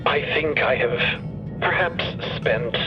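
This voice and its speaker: A man playing a thoughtful, courteous professor who talks formally and haltingly in an audio drama. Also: fairly high pitch. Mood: reflective, hesitant. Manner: formal, measured, halting between phrases. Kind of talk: narrative fiction podcast acting. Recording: dull sound under music bed.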